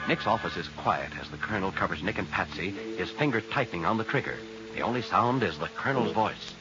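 A man's voice: fairly low pitch, lively intonation, fast, natural voice. A man narrating a crime serial as the announcer, in dramatic 1940s radio style. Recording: muffled old radio recording. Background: organ music.

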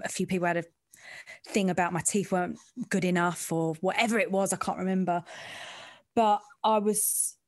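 A woman's voice: on the low side, a little mellow, no echo, studio quality. A woman from London's East End with an East London, Essex-like twang, talking frankly and informally in an interview as a sports reporter. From East End of London, England. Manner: informal, frank, working-class way of speaking. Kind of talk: candid conversational interview.

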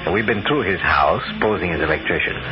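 An actor playing a smooth, scheming swindler boss in an old radio crime drama, muffled by the vintage recording. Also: male voice, deep voice, lively intonation, brisk, over music. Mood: businesslike. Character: smooth scheming con-man boss posing as spirit medium.

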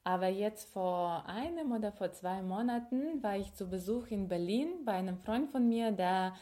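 A woman's voice: medium pitch, lively intonation, normal speed, dark tone. A young woman from Ukraine, co-hosting a podcast in casual conversation, reflective and thinking aloud with fillers and restarts. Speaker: podcast co-host.

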